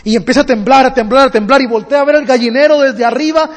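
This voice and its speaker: A man preaching a sermon and telling a parable, using rhythmic repetition that builds slowly, in a church hall. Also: extremely high pitch, steady tone. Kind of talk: sermon with storytelling. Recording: long hall reverb.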